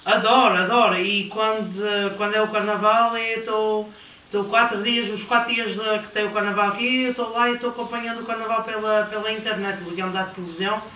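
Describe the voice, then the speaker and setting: A woman in her thirties from Canada, answering interview questions with eager, halting replies in a living room. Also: mid-range voice, fairly even intonation, bright, forceful tone. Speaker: interview guest. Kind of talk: casual TV interview. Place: living room of a house, indoors. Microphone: handheld microphone held by interviewer. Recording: roomy, distant, faint background noise.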